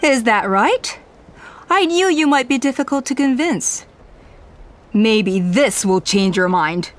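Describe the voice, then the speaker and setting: An actress playing a proud, ruthless female tribal leader in a video game, speaking in measured, persuasive, self-justifying speeches. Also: a little high, lively intonation. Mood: coolly persuasive. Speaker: game character voice actor. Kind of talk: dramatic video game voice acting.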